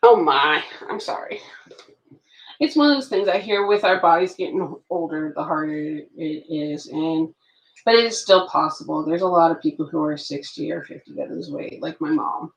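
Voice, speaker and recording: A woman in her late thirties rambles through a relaxed chat with her viewers, answering their comments as she journals. Her voice sits low and carries a gravelly fry. The room around her is echoey. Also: normal speed. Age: late 30s. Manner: chatty, reacts to viewer comments. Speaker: planner vlogger. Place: at home.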